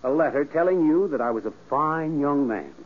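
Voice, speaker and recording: A man playing a smooth, self-assured criminal blackmailer with a suave, mocking theatrical manner in a 1940s radio crime drama. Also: on the high side, animated, normal speed, a little hiss or hum, lightly acted. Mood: boastful. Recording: muffled, tinny old radio recording.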